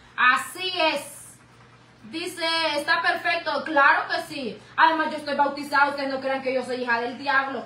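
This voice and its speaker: A woman with high pitch speaks in a raised, projected voice, her tone animated and her pace moderate. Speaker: livestream host. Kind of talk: casual chat. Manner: talkative.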